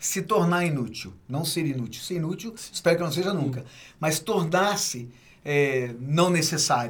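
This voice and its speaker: Against noticeable background noise, a man with a high pitch speaks at a moderate pace with ordinary pitch variation. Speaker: missionary, mission founder. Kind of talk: casual interview storytelling.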